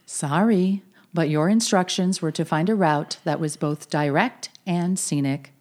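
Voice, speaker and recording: A woman voicing a calm, overly smooth, bossy car AI that speaks in an even, polite, machine-like way in a comedy sketch. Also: on the low side, a little slow, lightly acted. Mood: smooth, robotic. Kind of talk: comedy radio sketch acting.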